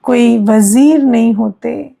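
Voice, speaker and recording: A woman spiritual teacher giving an unhurried sermon-style reflection, explaining with everyday examples and often checking in with her listeners. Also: on the high side, gravelly, warm tone.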